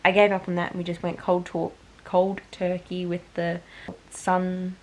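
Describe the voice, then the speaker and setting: This vlogger is a young woman worn out and stuffy with hay fever, talking to camera in a rambling way and catching her own mistakes. She speaks low, unhurried and monotone, with a darkish tone. A faint hiss or hum sits under the audio.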